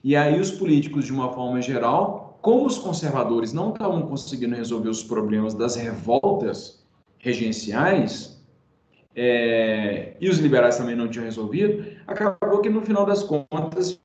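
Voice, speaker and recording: A Brazilian man teaching history informally in an online class, telling it like a story in an animated, colloquial way and repeating points for his students. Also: medium pitch, normal speed. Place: indoor room, online class. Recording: roomy, dull sound of an online class.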